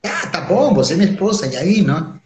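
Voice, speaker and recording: Man putting on a high whiny complaining god. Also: sing-song, fast. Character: plaintive god demanding his share, male adult. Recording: echoey room, background noise.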